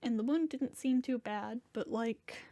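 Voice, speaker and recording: Distraught young male monster in audio fiction, played by a woman; fairly high voice, halting, profane confession. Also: mellow. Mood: shaken, confessional. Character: distraught young monstrous man Diego confessing a violent fight. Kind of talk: first-person dramatic fiction narration.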